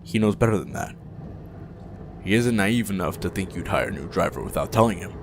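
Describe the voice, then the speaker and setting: An actor playing a grave, loyal aide in an audio drama, speaking formally and deferentially. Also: male voice, low voice, animated, fairly quick. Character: grave, formal, loyal male aide reporting to his boss. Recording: clear background ambient noise.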